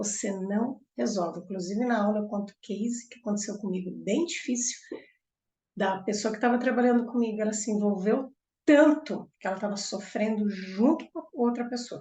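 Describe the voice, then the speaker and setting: A woman with a Brazilian accent speaks at a moderate pace in a fairly high pitch, her tone dark, mellow and somewhat breathy. Her loudness swings widely while her pitch varies in an ordinary way. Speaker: mentor and soft skills teacher. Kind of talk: course presentation. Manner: animated.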